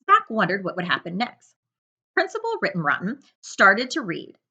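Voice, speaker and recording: Female storybook reader, middle-aged, bright tone, very lively intonation, dramatic delivery for children. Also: mid-range voice, normal speed, breathy edge. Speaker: librarian reading aloud. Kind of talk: children's picture-book read-aloud with asides. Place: living room couch, indoors.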